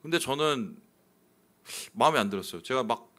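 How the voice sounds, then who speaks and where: A male pastor preaching a sermon, telling a personal story candidly and swinging suddenly between loud and quiet. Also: medium pitch, animated, normal speed.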